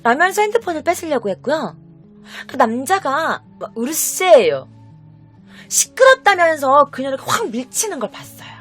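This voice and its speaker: A woman host telling a true-crime story in a casual, animated way, speaking directly to her viewers. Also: high-pitched, moderate pace, faint music behind. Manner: animated, acts out quotes, addresses viewers.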